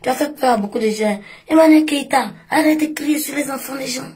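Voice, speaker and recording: A woman giving mocking, scolding commentary in a fast stream of talk. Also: high voice, darkish tone. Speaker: online commentator.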